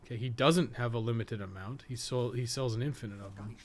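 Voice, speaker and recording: This man, also hosting a game guide livestream, talks through his gameplay in a loose, rambling way, muttering whatever comes to mind. He speaks at a medium pitch and a fairly quick pace.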